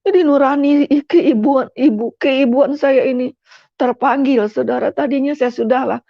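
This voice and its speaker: Gravelly-voiced middle-aged woman giving testimony. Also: high-pitched, normal speed, dry recording. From West Sumatra, Indonesia. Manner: emotional storytelling, often addressing listeners as "Saudara". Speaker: testimony speaker. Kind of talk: personal faith testimony. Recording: dull, dry lo-fi sound.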